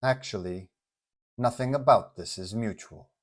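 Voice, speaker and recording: A cold villainess crime boss, played by a male narrator, speaks in a hushed, low register. The delivery is deliberate, formal and condescending, full of quiet storybook menace. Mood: soft menace. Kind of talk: audio storybook villain dialogue.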